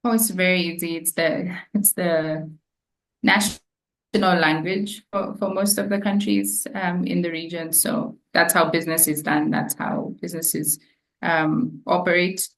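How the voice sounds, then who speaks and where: A woman answering as a guest expert on a webinar, speaking haltingly with repeated words. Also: on the low side, fairly even intonation, fairly bright tone, rough recording. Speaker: guest expert on East African markets.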